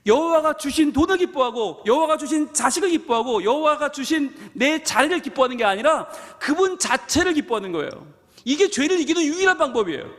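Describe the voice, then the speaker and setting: A man's voice: very high voice, expressive, fairly quick. A man preaching a fervent sermon as pastor at a church prayer service, emphatic and full of repeated phrases. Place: church sanctuary at a live midweek prayer service. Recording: live church hall reverb with soft music.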